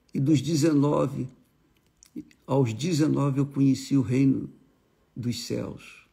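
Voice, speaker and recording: A man talks very slowly, with long, frequent pauses and fairly even intonation. His medium-pitched voice has a dark, mellow tone and is somewhat breathy. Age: 80s+. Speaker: preacher. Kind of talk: sermon. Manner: repetitive, emphatic.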